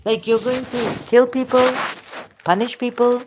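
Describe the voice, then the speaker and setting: A woman's voice: on the high side, steady tone, a little slow, noisy background. A woman with a Pakistani accent giving rambling, sarcastic religious commentary in broken English. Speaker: vlogger.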